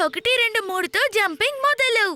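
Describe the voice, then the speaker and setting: A woman's voice: very high voice, lively intonation, brisk, background noise. A woman voicing an eager, encouraging young child in a children's cartoon, speaking in simple exclamations. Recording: children's music behind the voice.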